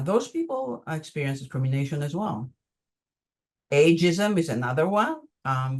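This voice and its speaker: An older woman from Greece with a Greek accent, answering audience questions on a video call with many pauses and ums. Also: low-pitched. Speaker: conference presenter answering questions.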